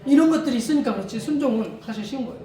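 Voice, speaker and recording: A man's voice: very high voice, dark tone. Guy preaching casual at church, asks the same question over and over, chuckles, mic far off in an echoey room with faint hiss. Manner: conversational, repeats rhetorical questions, chuckles, halting restarts. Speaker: missionary preacher. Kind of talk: informal sermon. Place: church during a worship service.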